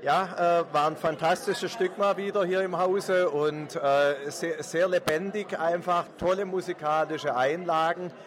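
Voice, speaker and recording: Man, slightly high voice, effusive, full of fillers, crowd chatter. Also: steady tone, measured pace, hardly any pauses. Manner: effusive, piling up praise with fillers. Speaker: theatre audience member. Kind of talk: vox pop interview.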